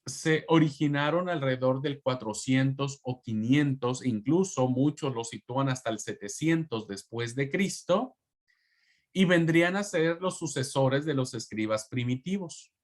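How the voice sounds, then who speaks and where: A man teaching a Bible history class, speaking slowly and haltingly, repeating words and addressing students as brothers. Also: medium pitch. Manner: slow, halting, repeats words and asks rhetorical "¿no?"; calls listeners "hermanos". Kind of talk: online class lecture.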